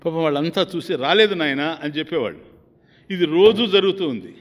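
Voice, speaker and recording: A man's voice: fairly high pitch, expressive, fairly quick. Male swami telling a moving story. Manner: emotive storyteller, appeals to the listeners. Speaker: swami giving a religious discourse. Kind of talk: sermon storytelling. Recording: long hall reverb.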